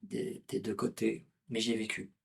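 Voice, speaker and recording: Interviewed in conversation, a French author and political activist talks in a low-ish, husky voice with vocal fry and little pitch movement, at normal speed. He sounds hesitant, often filling pauses and restarting sentences.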